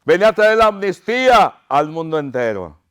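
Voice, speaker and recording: A man's voice: high voice, very animated, normal speed, fairly bright tone, clear, resonant tone. A pastor preaching an impassioned sermon to his congregation, crying out pleas and calling them his brothers.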